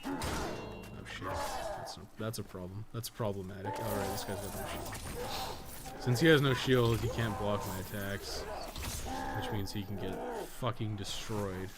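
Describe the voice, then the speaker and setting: A man's voice: fairly low pitch, normal speed, loud music behind the voice. A man giving casual, unscripted gameplay commentary as a streamer, rambling and thinking aloud with frequent swearing. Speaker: game streamer and podcast co-host. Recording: clearly noisy background.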